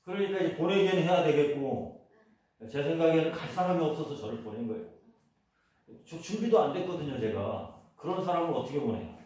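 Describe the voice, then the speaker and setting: A pastor preaches a sermon in a church, sharing a personal story and leading the congregation in repetition. His voice is fairly high, lively, brisk, and a little mellow, heard from a distance in an echoey hall.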